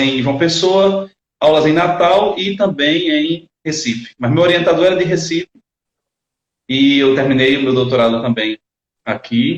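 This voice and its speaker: A man is speaking. He has a northeastern Brazilian accent. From Brazilian Northeast sertão, Patos, Paraíba. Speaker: philosophy professor. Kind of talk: interview answers. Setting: online live stream.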